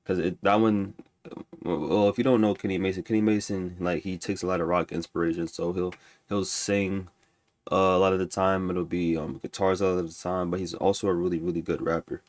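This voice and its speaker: A man's voice: low-pitched, little pitch movement, brisk, no room sound. A man with a stuffy nose ranking music albums in casual, rambling talk full of restarts and fillers. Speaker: music reviewer.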